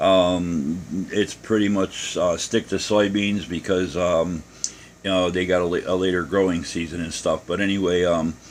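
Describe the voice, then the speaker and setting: A man's very deep, low voice keeps fairly even intonation and a moderate pace while noticeable background noise sits underneath. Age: 60s. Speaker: hobby model builder vlogger. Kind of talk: casual vlog update. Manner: halting, many fillers.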